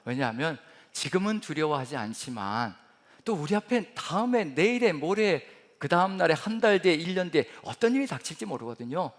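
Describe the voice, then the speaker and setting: A middle-aged man with a Gyeongsang Korean accent preaches in a church sanctuary. His voice sits high and swings widely, and it rings with a long reverb through the hall. He is earnest, and he builds to emphatic declarations. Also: very animated, a little fast. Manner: earnest, rising to emphatic declarations, voicing God's words tenderly. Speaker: pastor. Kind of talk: sermon.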